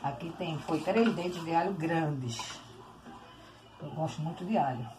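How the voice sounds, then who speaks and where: A woman's voice: deep voice, unhurried. An older Brazilian woman in her sixties chattily demonstrating home cooking, often addressing her viewers directly. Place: home kitchen, indoors. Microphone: phone on tripod, short distance. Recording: noisy kitchen with clattering dishes.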